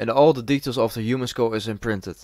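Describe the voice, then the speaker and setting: Over a quiet background, a man speaks at a moderate pace in an animated, theatrical tone. The sound is dry, with no echo. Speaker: horror game YouTuber. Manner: animated, theatrical, with teasing asides and laughs. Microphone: studio mic.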